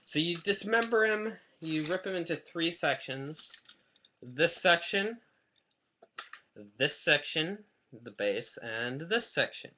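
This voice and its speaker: A man's voice: a little high, animated, slow, bright, forceful tone, slight background noise. A man chatting casually in a rambling, self-deprecating way while reviewing a toy on his webcam at home. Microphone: webcam mic.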